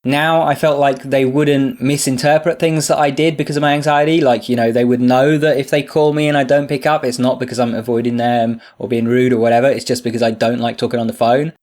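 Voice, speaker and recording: A man's voice: mid-range voice, flat delivery, a little fast, few pauses, a little mellow. Stuffy-nosed young man, earnest vlog. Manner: earnest, open, lots of fillers. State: stuffy from a sinus infection. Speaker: video creator. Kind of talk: casual talk to camera.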